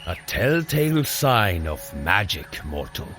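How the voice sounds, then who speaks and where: Male role, audio drama: boisterous Norse god and eager brother, unhurried and animated, theatrically formal. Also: on the low side, soft background music, full character voice. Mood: awed, curious. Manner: theatrical, exclaiming, grandly formal. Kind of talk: scripted audio drama acting.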